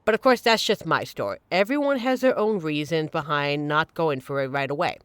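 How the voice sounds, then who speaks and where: Woman acting supportive young female friend, audio roleplay, slightly low pitch, lively intonation, casual reassuring delivery, playful exaggeration, dry sound. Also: fairly quick, smooth, no echo. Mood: gentle, reassuring. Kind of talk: audio roleplay, conversational monologue to listener.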